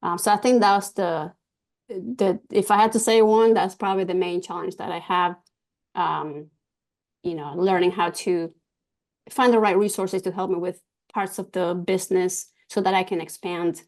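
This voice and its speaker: A woman from Argentina whose first language is Spanish, a guest talking about her business in an interview, pausing often with ums and restarts. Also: fairly low pitch, steady tone, a little mellow. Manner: hesitant, many ums and restarts. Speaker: guest, cybersecurity business owner. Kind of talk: casual interview talk.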